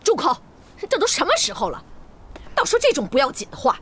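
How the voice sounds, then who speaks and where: A woman's voice: medium pitch, sing-song, normal speed, a bit bright, a little hiss or hum. Stern noble mother. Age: middle-aged. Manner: stern, commanding. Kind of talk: period TV drama acting.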